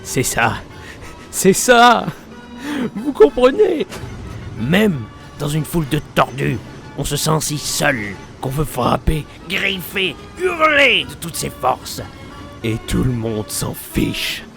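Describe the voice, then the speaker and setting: A deranged clown villain from a video game. The delivery is theatrical and slow, swinging widely in pitch between menace and wistfulness. A creaky edge runs through the voice, with music playing behind it. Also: male voice, big pitch swings, a bit bright, full character voice. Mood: anguished, agitated. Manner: theatrical monologue, breaking into cackles. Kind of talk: French fan dub of a video game scene.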